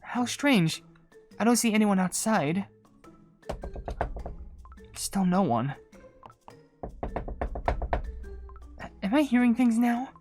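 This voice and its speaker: A woman voicing a gentle, courteous young female incense maker in a game, polite and measured. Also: medium pitch, expressive. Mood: polite, curious. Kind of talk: reading game dialogue aloud in character. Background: game music.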